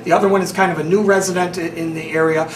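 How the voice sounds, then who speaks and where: Halting male talk show host, distant mic. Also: a little high, level tone, echoey room, background noise. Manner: halting, repeats words while asking long questions. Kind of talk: interviewing a political candidate.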